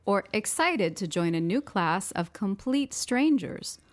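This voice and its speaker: A woman co-hosting an English-learning podcast, explaining things in a clear, friendly way. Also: medium pitch, very animated, unhurried, soft background music. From United States. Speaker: podcast co-host.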